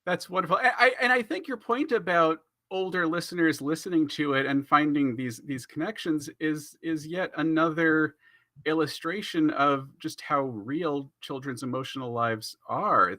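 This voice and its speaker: A man moderating a panel conversationally, phrasing his thoughts in a halting, reflective way. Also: on the high side, sharp tone, no echo.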